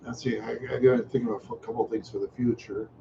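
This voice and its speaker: An older man chatting in a slow, rambling way on a livestream, repeating "yeah" and chuckling often, tired and unwell. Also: medium pitch, steady tone, gravelly, dark tone. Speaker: livestream host. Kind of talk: rambling casual livestream chat. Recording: dull lo-fi stream audio with faint noise.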